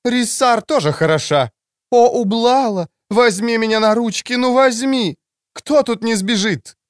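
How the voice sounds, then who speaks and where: Man putting on a snappish woman, shrill, very high, loud, dry close sound. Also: measured pace, no room sound. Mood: scolding. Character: sharp-tongued, irritable grown woman.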